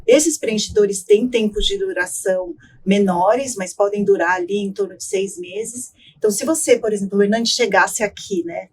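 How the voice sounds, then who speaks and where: A woman doctor, a voice specialist, explaining things calmly in a podcast interview and often ending with tag questions. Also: mid-range voice, moderate pace, hardly any pauses, breathy edge.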